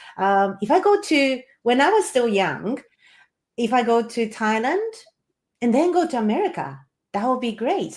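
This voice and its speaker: A woman speaks with a Japanese accent and lively intonation. The recording is very clean with a silent background. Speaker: cross-cultural trainer. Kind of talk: interview. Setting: podcast.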